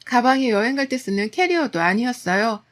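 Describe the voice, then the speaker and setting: A woman in her thirties tells her own story as a scripted first-person narration. Her voice sits a bit high, and her delivery is steady and confiding with an aggrieved edge. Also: fairly quick. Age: 30s.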